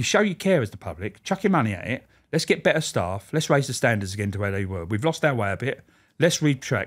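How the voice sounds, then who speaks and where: A man in a London accent at a very fast pace, with very wide pitch swings, in a very clean recording with a silent background. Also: medium pitch for a man. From South London. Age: 50s. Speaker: ex-prison officer. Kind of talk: casual interview chat. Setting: studio. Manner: animated.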